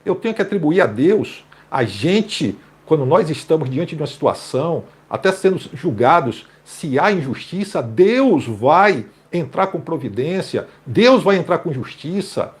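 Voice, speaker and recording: A male pastor gives preachy commentary on a clip, pressing his points by repeating key phrases. His voice sits somewhat high for a man, and his delivery stays emphatic throughout. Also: big pitch swings, unhurried, hardly any pauses.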